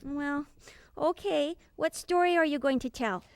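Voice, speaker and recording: A woman's voice: sits high, measured pace, darkish tone, dry recording, clean studio sound. A woman voicing a silly, cheerful, muddled puppet character telling stories in a children's puppet show, with an exaggerated, dithering delivery. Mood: easygoing.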